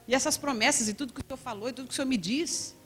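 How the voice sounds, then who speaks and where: A woman's voice: high-pitched, very fast, a bit bright, faint music behind. Woman pastor telling a church testimony. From Brazil. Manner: storytelling with acted quotes and laughter. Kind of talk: testimony sermon.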